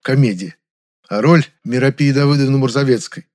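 A man voicing a quiet, eager young male actor in an audiobook, explaining softly. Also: mid-range voice, normal speed, voice pushed up, natural voice. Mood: informative. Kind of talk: audiobook character voice.

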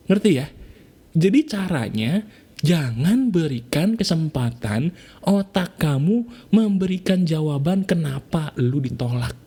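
A man with a slightly high voice and delivers a motivational talk straight to camera. He coaches directly and slips into short acted scenes to make his point. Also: mellow, husky. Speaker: motivational speaker.

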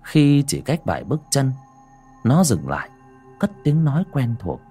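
Husky-voiced horror narrator. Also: male voice, medium pitch, huge pitch swings, faint music behind. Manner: dramatic, hushed, slow for suspense.

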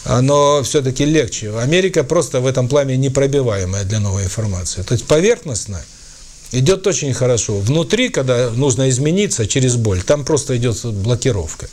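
Brisk and expressive, a man with a medium-pitched, darkish voice gives a spiritual lecture to an audience and takes audience questions. He is a spiritual lecturer and author, and his speech is hesitant, with many fillers and restarts.

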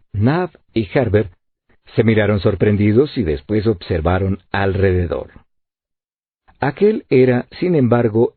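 A man reading a novel aloud as an audiobook narrator, in an expressive way. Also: lowish voice, slightly rough, dry recording. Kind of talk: scripted narration. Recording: tinny phone-like lo-fi audio.

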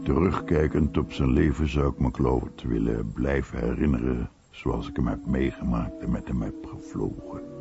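A man's voice: very deep voice, normal speed. A man reading a translated recollection as a scripted documentary voice-over. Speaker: voice-over reader of translated interview. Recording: dull recording, clear music behind.

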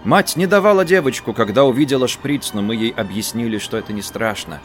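A man reads a literary story aloud in the first person, in a middle-pitched voice. His delivery is tense, moving between hushed and urgent. Soft music sits faintly underneath. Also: brisk. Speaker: audiobook narrator.

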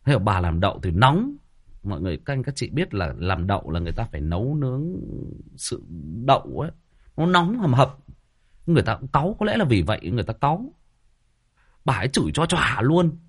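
A man with a Northern Vietnamese accent hosts a casual livestream, telling stories in a chatty way packed with fillers and repeated words. His medium-pitched voice swings widely in pitch, runs fairly quick, and has a slightly rough edge.

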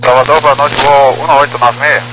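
A man's voice: mid-range voice, flat delivery, moderate pace. A Brazilian man speaking as an airline pilot in clipped radio phraseology over a crackly, military-sounding aviation radio. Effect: crackly aviation radio transmission. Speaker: airline pilot radioing air traffic control. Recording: noisy, humming air-band radio transmission.

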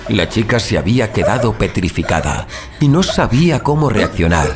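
A man's voice: on the low side, big pitch swings, moderate pace, music in the background. A man playing a sadistic, darkly gleeful young vigilante killer who narrates a horror audio drama in a savoring, sardonic, literary way.

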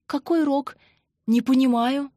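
A woman's voice: high-pitched, steady tone, unhurried, warm tone, no room sound, voice pushed up. A woman voicing an elderly mother who is anxious, plaintive and close to tears. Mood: bewildered. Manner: plaintive, pleading.

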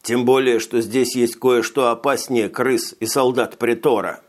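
A jittery little alien telepath, frail and slight, speaking slowly and softly, as a male reader puts him on. His voice sits at an ordinary middle pitch, with only a light change from the narration. It is an audiobook reading. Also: steady tone, lightly acted. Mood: tense.

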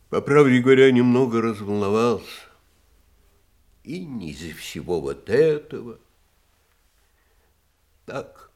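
Radio play role: troubled man, broken phrases, dragging pace, fairly deep voice. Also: darkish tone, full character voice. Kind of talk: audio stage drama dialogue.

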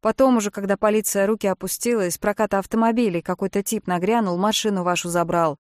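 Lady doing a fussy kindly boat guy, loud and excited, dry close sound. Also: mid-range voice, fast, dry recording, lightly acted. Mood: reassuring. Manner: excited, exclaiming. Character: flustered kindly male boat-rental owner.

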